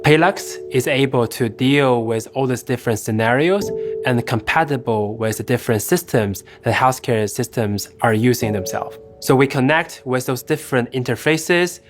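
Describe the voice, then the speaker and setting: A man's voice: mid-range voice, normal speed, music in the background. A man speaking as a head of AI in a corporate promo interview, explaining things methodically. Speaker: head of AI at a tech company.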